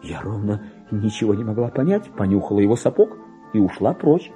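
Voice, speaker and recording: A man's voice: fairly low pitch, big pitch swings, fairly quick, dark tone, soft background music, voice pushed down. A man voicing a chatty, naive, pampered female lapdog reading out her gossipy letters in a theatrical radio play. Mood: gossipy, puzzled. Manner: prim, gossipy, singsong.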